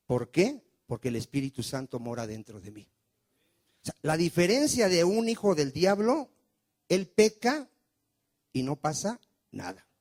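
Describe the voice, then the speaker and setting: A male pastor preaching in church, firing questions at the congregation and dropping soft and low for quoted prayers. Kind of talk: sermon.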